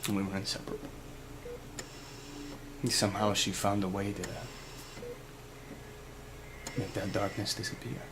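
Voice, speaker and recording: A man playing a grieving, brooding asylum director in a fan web drama, speaking in a halting, deliberate way. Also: lowish voice, flat delivery, natural voice. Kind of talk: acted dramatic monologue in a fan web series. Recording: clearly noisy amateur recording with ambience.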